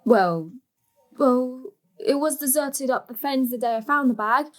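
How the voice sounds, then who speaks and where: Young granddaughter, fairly high voice. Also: female voice, unhurried. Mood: worried. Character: sensible, anxious young granddaughter, gently exasperated. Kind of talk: stage-thriller audio drama acting.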